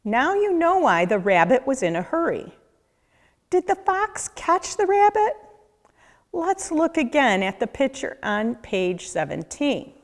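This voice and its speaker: Woman, children's book read-aloud, deliberate questioning storyteller, animated intonation, long room reverb. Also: sits high. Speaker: nature center educator reading aloud.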